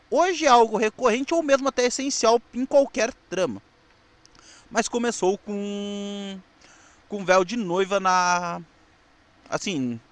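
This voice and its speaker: A Brazilian man presenting scripted narration on television history, reading in a somewhat halting way with small stumbles. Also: high-pitched, a bit bright, dry recording.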